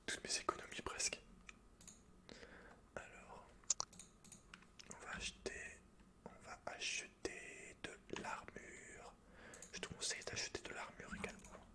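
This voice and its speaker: A man whispering casual, slangy, sweary ASMR commentary while he plays a video game, in a breathy unvoiced whisper. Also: a little slow, long pauses, sharp tone. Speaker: host of an ASMR gaming channel. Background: computer keyboard clicks and typing.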